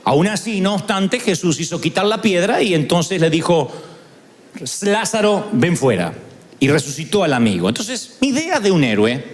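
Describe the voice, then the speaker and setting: A male pastor delivers a sermon as animated, humorous storytelling. His voice sits high for a man and swings widely in pitch. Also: brisk, hardly any pauses.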